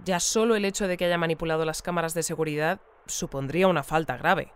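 Casting: inquisitive, courteous bulletin presenter for a radio drama acted, smooth clear voice, measured interview questioning. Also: medium pitch, close to an everyday voice. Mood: probing. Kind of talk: audio fiction acted as a radio news interview.

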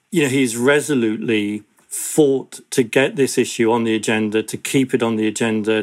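Brief: man, mid-pitched, earnest interviewee, measured with passion. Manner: measured, passionate, with "you know" fillers. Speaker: education campaigner, interviewee.

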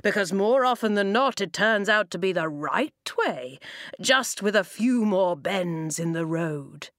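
A woman's voice: mid-range voice, expressive, unhurried, fairly bright tone, no echo, studio quality. A woman voicing a dramatic stone man who becomes a giant, wailing and theatrical. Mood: booming.

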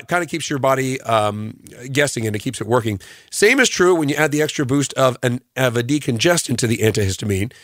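A man hosting a morning radio show, his voice hoarse from allergies, rambling through tips with lots of ums and uhs. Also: mid-range voice, dry recording, clean studio sound. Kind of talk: radio show recap, casual talk. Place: radio studio.

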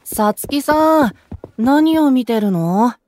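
An actor playing a gentle, eager, boyish young male idol in a Japanese voice drama, friendly and earnest. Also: very high voice, expressive, slow pace, no room sound, clean studio sound, full character voice. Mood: cheerful, earnest.

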